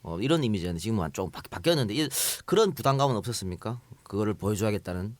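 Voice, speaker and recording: A man's voice: lowish voice, expressive, racing, no echo. A man hosting a podcast interview, asking guests questions and chatting along. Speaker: podcast host.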